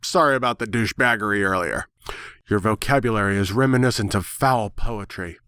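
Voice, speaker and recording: A man's voice: lowish voice, a little fast, clear, resonant tone, no echo. A man voicing a sarcastic, foul-mouthed, smoking pony with flippant, slangy delivery in a dramatic story reading. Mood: wry. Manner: flippant, slangy, animated sparring. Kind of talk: dramatic reading of fan fiction.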